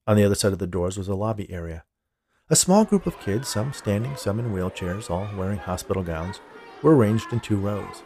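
A man's voice: fairly low pitch, mellow. A man narrating a scripted short story as the storyteller. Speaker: writer and narrator of a fiction podcast.

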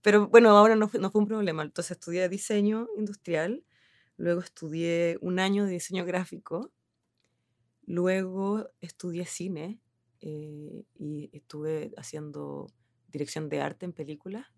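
Speaking with a Chilean Spanish accent, a woman in her thirties who works as a designer talks her way loosely through interview questions, full of fillers, restarts and easy laughter. Her pitch sits on the low side, her intonation stays fairly even, and her pace is a little slow. It's studio quality with no echo.

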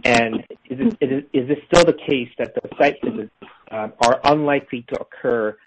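A male financial analyst asks probing questions politely and a little haltingly on a conference call. His voice sits at a medium pitch, with clear noise and clicks on the line. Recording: noisy phone-in call with clicks.

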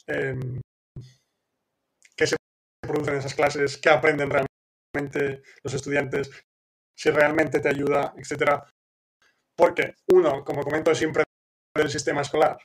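Hosting a live question-and-answer session, a native Spanish speaker talks in a husky voice pitched on the high side. He reasons out loud, restarting often and using fillers, and keeps checking in with the audience.

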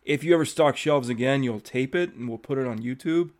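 A young man hosting a podcast in a casual interview chat, relaxed and talkative, letting his thoughts trail off. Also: medium pitch, fairly quick. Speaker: podcast host.

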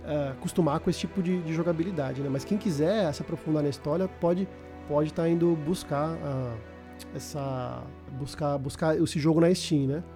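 A man's voice: a little high, normal speed, mellow, soft background music. A man with a Brazilian Portuguese accent explaining a video game in casual, informal podcast talk, repeating words as he goes.

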